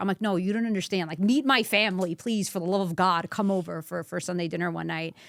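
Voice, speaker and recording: A woman with a New York accent speaks at a medium pitch in a very clean recording with a silent background and a dry, close sound with no echo. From New York City, Astoria, Queens. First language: Croatian. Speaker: podcast guest. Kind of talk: casual chat.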